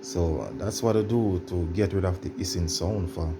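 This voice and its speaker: Deep-voiced man giving an informal tutorial. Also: moderate pace, noisy background. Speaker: tutorial presenter. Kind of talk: informal how-to demonstration.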